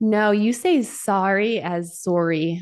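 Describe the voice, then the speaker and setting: A woman with an Upper Midwest accent speaks against a quiet background. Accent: Upper Midwest American. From Minnesota, US Upper Midwest. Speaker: podcast host, functional medicine nutritionist. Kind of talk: casual interview chat.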